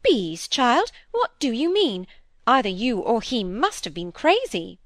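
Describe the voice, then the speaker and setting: Woman reading as nosy old spinster lady, raised high voice, emphatic and scolding, dry sound. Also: sing-song, a little slow, no echo. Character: bossy gossiping elderly spinster woman.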